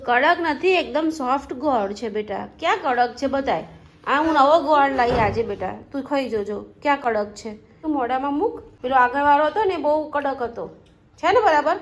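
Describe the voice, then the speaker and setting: A woman's voice: high voice, lively intonation, normal speed. A woman, chatting casually to her phone camera at home as a family vlogger. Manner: chatty, laughs often. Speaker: vlogger, mother.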